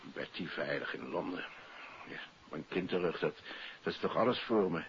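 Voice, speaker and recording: A man's voice: deep voice, animated, normal speed. An actor playing an earnest, formally polite doctor and anxious father in a 1950s radio drama. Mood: grateful. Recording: dull, hissy 1950s radio recording.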